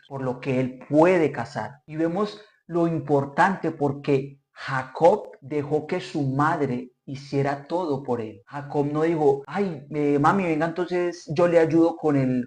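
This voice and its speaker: A man's voice: medium pitch, a little mellow. A man giving an informal Bible study, earnest and repetitive, acting out short quotes. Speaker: preacher.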